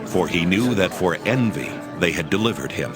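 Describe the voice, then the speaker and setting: A man's voice: deep voice, animated, moderate pace, music in the background. A man narrating scripture as a dramatized reading.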